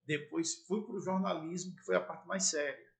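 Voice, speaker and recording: Gravelly playful man. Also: a little high, normal speed. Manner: playful, animated storyteller with jumps in loudness. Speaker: former sports broadcaster and TV presenter. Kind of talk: casual storytelling interview.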